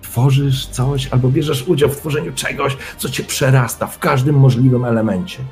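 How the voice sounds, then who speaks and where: A man's voice: mid-range voice, fairly even intonation, moderate pace, darkish tone, soft background music. A man running a tabletop role-playing session as game master, narrating immersively in the second person with dramatic build-up.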